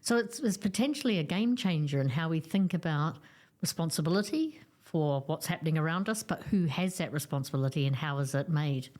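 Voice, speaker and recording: A woman co-hosting a podcast, explaining ideas in a measured way. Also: low voice, lively intonation, darkish tone. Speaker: podcast co-host. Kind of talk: podcast conversation.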